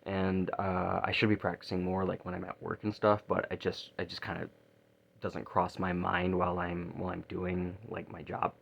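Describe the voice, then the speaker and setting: A man talking casually in a video diary, halting and rambling, often repeating words and trailing off. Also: low voice, monotone, vocal fry. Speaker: vocal student keeping a practice diary. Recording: dull lo-fi recording.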